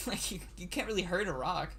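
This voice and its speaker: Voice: medium pitch, animated, moderate pace, sharp tone. A livestream host and series writer chatting casually on a computer mic, nervous, stammering and laughing often.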